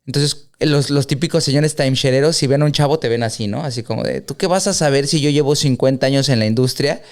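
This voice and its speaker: Smooth-voiced joking podcast host. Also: male voice, mid-range voice, fast. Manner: joking, asks questions. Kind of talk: casual podcast chat.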